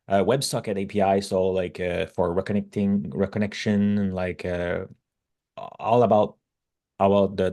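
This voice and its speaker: A man with a French accent, a guest expert talking casually about technology in halting, non-native English phrasing. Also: on the low side, darkish tone.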